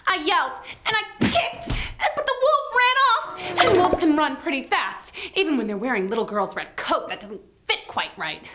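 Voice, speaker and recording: A woman's voice: high voice, big pitch swings, normal speed, few pauses, pushed and bright, slight background noise. A woman hosting children's story time, telling tales in a theatrical, exclamatory, playful way. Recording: music bed behind the voice.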